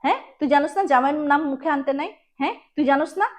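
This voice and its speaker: Woman playing a high-voiced possessed village bride. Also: fast, close to an everyday voice. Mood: hostile. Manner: scolding, insistent, colloquial village speech. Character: possessed young village bride, defiant and hostile.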